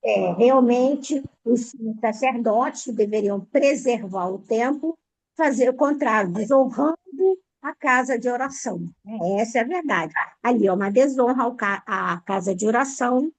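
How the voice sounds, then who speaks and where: A woman, a church member in a Bible study, speaks hesitantly and haltingly, searching for words as she explains her understanding. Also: on the high side, dry recording, rough recording. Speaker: church member asking a question.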